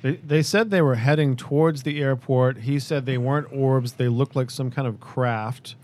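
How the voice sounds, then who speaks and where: A man co-hosts a casual podcast at an ordinary mid pitch. He sounds easygoing and a little skeptical as he chats. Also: normal speed, a little mellow. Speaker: podcast co-host.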